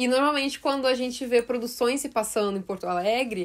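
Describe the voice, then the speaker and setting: A woman speaks at a fairly quick pace in an animated tone, with ordinary pitch variation. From Rio Grande do Sul, southern Brazil. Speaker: YouTuber. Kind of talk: casual video review. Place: home room.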